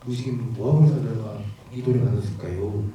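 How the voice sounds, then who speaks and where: A man's voice: on the low side, fairly quick, dark tone, faint music behind. A man moderating a film screening Q&A, polite and guiding. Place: cinema auditorium. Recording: echoey hall, distant mic, noise.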